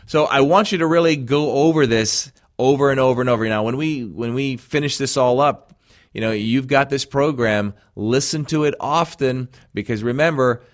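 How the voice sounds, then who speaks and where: A man from Jamaica, speaking without an accent, earnestly talking listeners through a recorded self-help program as a coach. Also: mid-range voice. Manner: earnest, conversational, addresses listeners as friends.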